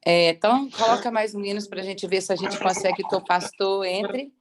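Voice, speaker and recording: A woman's voice: medium pitch, steady tone, moderate pace, noisy background. A woman with a Brazilian accent hosts an online devotional informally and hesitantly, her voice strained by a lasting cough. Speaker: co-host of online prayer meeting.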